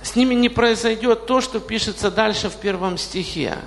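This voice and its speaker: High-voiced, gravelly man preaching. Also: normal speed, a little hiss or hum. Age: 40s. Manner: questions the congregation directly. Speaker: pastor. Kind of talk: sermon. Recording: reverberant hall.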